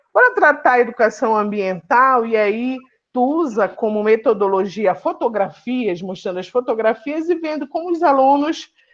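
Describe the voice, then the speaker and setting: A woman speaks at a fairly high pitch with lively intonation. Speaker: university geography professor. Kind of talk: lecture. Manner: slow.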